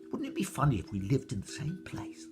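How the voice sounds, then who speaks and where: A man voicing a curious young princess in a raised, quick, light voice. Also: sing-song, music in the background, lightly acted. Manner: high, quick and breathy.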